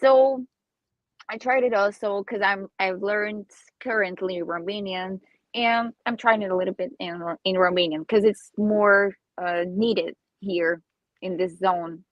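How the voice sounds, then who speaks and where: A woman in her twenties from Armenia, a native Armenian speaker, answering interview questions in halting English and searching for words. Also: medium pitch, steady tone, dry recording, lo-fi sound. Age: 20s. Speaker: singer guest.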